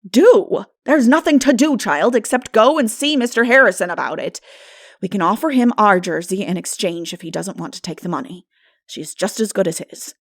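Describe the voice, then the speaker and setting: A woman voicing a stern, exasperated, practical older guardian woman with a brisk, scolding manner in an audiobook. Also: mid-range voice, animated, no room sound, studio quality. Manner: brisk, scolding, matter-of-fact. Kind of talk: dramatic audiobook character voice.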